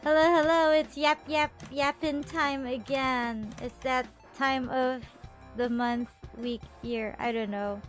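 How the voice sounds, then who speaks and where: A woman's voice: high-pitched, steady tone, takes it slowly. A woman streamer chatting casually with her viewers, bubbly and rambling, often restarting her sentences and laughing. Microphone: earphones with a desktop mic. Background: faint background music.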